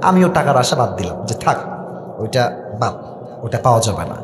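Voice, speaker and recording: A man's voice: mid-range voice, sing-song, moderate pace, slight background noise. A Bangladeshi man preaching through a dramatic personal anecdote, acting out the dialogue and dropping in English phrases. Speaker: Islamic preacher. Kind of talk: sermon-style anecdote telling. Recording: echoey hall with long reverb.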